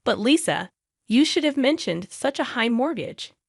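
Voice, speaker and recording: A woman's voice: on the high side, sing-song, normal speed, gravelly, dry recording, studio quality, exaggerated voice. A woman voicing an indignant adult sister-in-law in a story narration. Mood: outraged.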